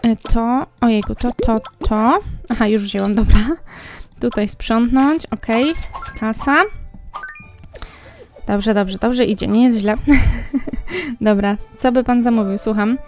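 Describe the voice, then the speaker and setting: Speaking slowly with frequent pauses, this young woman has a fairly high, darkish voice. She does relaxed let's-play commentary, talking to the characters and viewers alike, with soft game music in the background.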